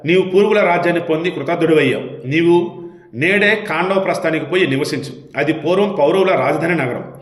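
A man's voice: fairly high pitch, close to an everyday voice. Aged anxious king issuing solemn commands, voiced plainly by a male narrator, echoey room. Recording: roomy echo.

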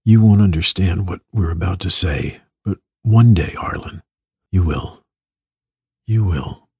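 A man voicing a mysterious, solemn, knowing figure in a dramatic demo, slow and portentous, with a gravelly, husky voice. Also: deep voice, darkish tone, no room sound, studio quality, full character voice. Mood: solemn, foreboding. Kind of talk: dramatic character voice-over.

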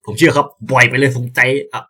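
A young man commentating as he plays a visual novel, excitable and swearing, sometimes stumbling over words. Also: medium pitch, fast talker, breathy edge. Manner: excitable, yelps and swears at scares; reads game lines aloud, stammering. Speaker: gameplay streamer. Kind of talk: casual let's-play commentary.

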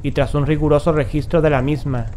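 A man playing a grave, determined occult investigator in a horror audio drama, speaking in a solemn, measured way. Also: fairly high pitch, fairly even intonation, darkish tone, slight background noise, natural voice. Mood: grave, ominous.

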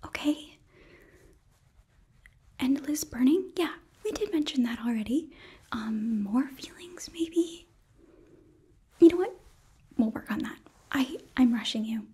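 A young woman plays an eager, bubbly demon princess hotelier in a whispered ASMR roleplay. Her voice is high and very breathy, hesitant and gently apologetic, unfolding at a slow pace. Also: lively intonation, full character voice. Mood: anxious, eager. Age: young adult. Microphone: close microphone, seated before camera.

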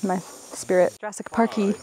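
A young adult travel vlogger, a woman, chats playfully and teases herself while outdoors in a rainforest. She speaks at a moderate pace in a steady, medium-pitched voice with a dark tone. The noisy jungle recording has insects and jungle ambience behind her.

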